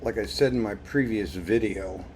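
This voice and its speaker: A man video blogger chats casually through an unboxing in a lowish voice at normal speed. He is wry, chuckles at his own remarks and has an irritated throat. Background noise is noticeable.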